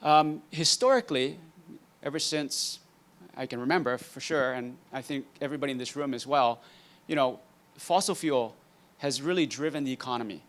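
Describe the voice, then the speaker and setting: A smooth, resonant-voiced man in his fifties from Hawaii addresses a lecture audience. He talks in a relaxed, easygoing way, with dry self-deprecating jokes and plenty of ums. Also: medium pitch, moderate pace. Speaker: guest speaker, entrepreneur. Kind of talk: conference master class talk.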